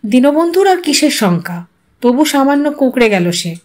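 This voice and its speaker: A woman's voice: high voice, big pitch swings, normal speed, a little mellow. A woman storyteller reading a scripted literary audio story expressively. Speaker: storyteller, channel narrator.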